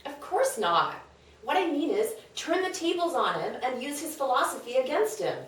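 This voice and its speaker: A woman's voice: high voice, big pitch swings, moderate pace, fairly bright tone. A woman playing a scheming, worldly confidante in a comedic table read, persuasive, knowing and emphatic. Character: scheming, worldly, brash female confidante of a wife. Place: echoey room, away from mic. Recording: very echoey room, distant mic.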